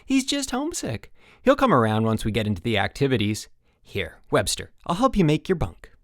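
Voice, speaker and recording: A man voicing a relentlessly cheerful young male camp counselor in an audiobook, bright with forced enthusiasm. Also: mid-range voice, huge pitch swings, a little fast. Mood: bright, eager.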